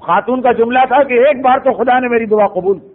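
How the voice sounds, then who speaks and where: A man giving a sermon, telling a tragic story in a dramatic, mournful way. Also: extremely high pitch. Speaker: religious orator. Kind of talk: sermon narration of a historical tragedy. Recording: tinny phone-like sound.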